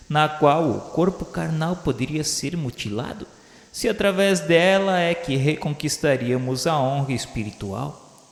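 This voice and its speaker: Echoey Brazilian male narrator, solemn and formal. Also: medium pitch. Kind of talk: formal literary narration for radio drama. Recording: roomy echo with long reverb.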